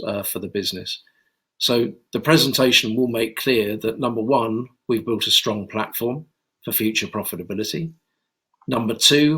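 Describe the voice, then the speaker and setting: A man's voice: on the low side, pushed and bright, breathy edge, rough recording. A man giving a direct, earnest investor presentation as chief executive. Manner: direct, earnest, some fillers.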